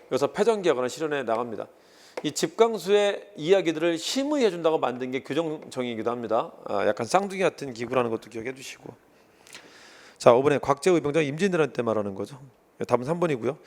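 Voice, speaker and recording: In a relaxed, lively history lecture aimed at exam preparation, a man with a mid-range voice occasionally performs quoted lines as he teaches.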